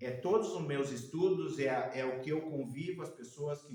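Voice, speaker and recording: A man talks at a moderate pace with a fairly high pitch. There is audible room echo. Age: 60s. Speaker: spiritist study group speaker. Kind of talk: spiritual talk. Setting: spiritist centre.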